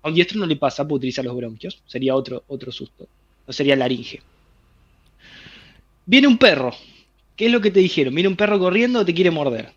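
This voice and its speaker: Speaking fairly quickly but pausing often, a man with a Rioplatense Spanish accent and a voice on the high side gets animated as he explains a health theory in an interview. He paints vivid everyday scenarios for the listener, and the audio is dull.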